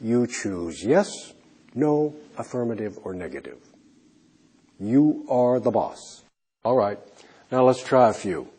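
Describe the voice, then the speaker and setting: A man teaching an English lesson, slowly modelling questions and answers for learners. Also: medium pitch, very animated. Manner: modelling example answers clearly, trailing off softly. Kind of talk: slow, deliberate classroom instruction.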